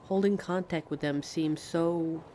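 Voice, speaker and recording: A woman's voice: sits low, fairly even intonation, unhurried, dark tone. A woman playing a friendly, lonely train passenger in a hesitant, reflective ASMR roleplay monologue, chatting to a stranger. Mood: wistful, musing. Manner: hesitant, musing, reflective, trailing off. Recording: vehicle noise behind voice. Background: train ambience sound effects.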